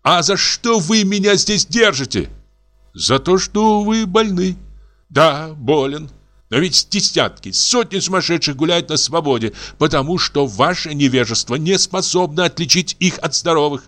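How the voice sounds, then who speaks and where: Furious shrieky madman from a hospital ward, way up high and loud, a guy reading him out. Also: animated, moderate pace. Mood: bitter. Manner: shrieking, accusing, mocking. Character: enraged male mental patient, shrill and bitter.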